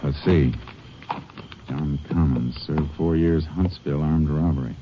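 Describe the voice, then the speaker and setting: An actor playing a steady, determined Texas Ranger who talks and narrates tersely in a 1950s radio western. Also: male voice, a bass voice, music in the background. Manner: terse, measured, calm. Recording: dull old radio broadcast recording.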